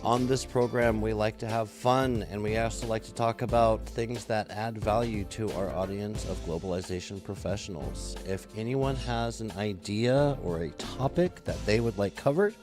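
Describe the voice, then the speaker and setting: A man's voice: lowish voice, normal speed, few pauses, over music. A man hosting a live streamed industry talk show, upbeat as he runs through plugs and introduces his guest over a video call. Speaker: host.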